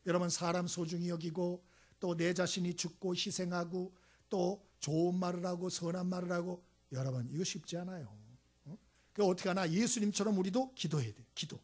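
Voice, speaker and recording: Husky-voiced male pastor preaching emphatically. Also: sits high, fairly quick. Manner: emphatic preaching, swings between loud exclamations and hushed asides; tells anecdotes acting out voices. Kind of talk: sermon.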